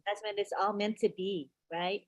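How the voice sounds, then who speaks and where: A woman hosts a group call in an upbeat, welcoming way. Her voice sits at a typical pitch for a woman. The sound is dry and close, with no room echo. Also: steady tone, moderate pace. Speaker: host.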